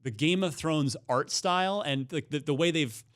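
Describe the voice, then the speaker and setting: A man's voice: a little high, normal speed, fairly bright tone. A man chatting casually about video games on a panel show, often restarting and rephrasing as he goes. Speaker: podcast panel host.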